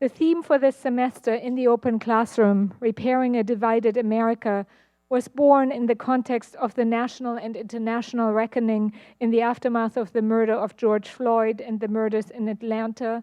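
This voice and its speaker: A woman with a German accent, a fairly high pitch and monotone, flat intonation. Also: fairly quick pace. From Germany. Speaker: university administrator and historian. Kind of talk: formal welcome remarks. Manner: formal.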